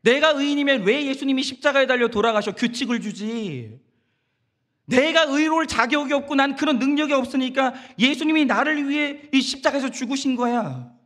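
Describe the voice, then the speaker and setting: A man's voice: very high voice, animated, moderate pace, a bit bright. A man preaching a Sunday sermon as pastor, emphatic and direct, asking the congregation rhetorical questions. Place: church sanctuary.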